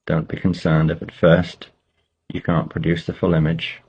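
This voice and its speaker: A man leading a guided meditation, giving slow, measured instructions with pauses between phrases. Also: low voice, monotone, husky, muffled recording.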